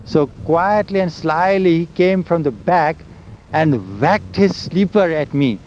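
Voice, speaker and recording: An older man, slowly recalling old memories in an oral history interview, with a loud voice. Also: a little high, lively intonation. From India. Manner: slow, halting storytelling of memories. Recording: dull lo-fi recording with faint hiss and vehicle sounds.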